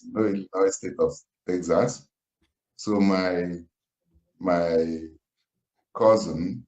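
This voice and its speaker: A man's voice: low voice, darkish tone. A man speaking into a phone on a call, formal and hesitant. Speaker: guest questioner. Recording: dull echoey phone audio.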